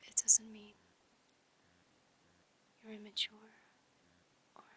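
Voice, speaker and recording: Whispering in a gentle tone, with noticeable background noise. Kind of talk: ASMR comforting roleplay talk to the listener. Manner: soft-spoken, gentle, slow.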